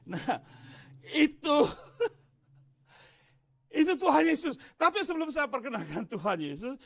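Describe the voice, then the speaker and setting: A male pastor from Indonesia preaches with a strikingly high, bright voice. His pitch leaps around constantly, and he swings between hushed asides and shouted emphasis as he works the congregation in a church. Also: big pitch swings, slow, creaky. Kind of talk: sermon.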